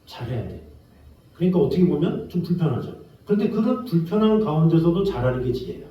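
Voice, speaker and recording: A middle-aged man preaching from the pulpit in a lively, rising and falling voice, throwing out rhetorical questions and playing out the people he quotes. He sounds far from the mic in a very echoey sanctuary, on a dull recording. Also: fairly high pitch, a little fast. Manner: acts out quoted scolding and gentle voices. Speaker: pastor. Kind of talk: sermon. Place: church sanctuary. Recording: roomy, distant, dull church recording.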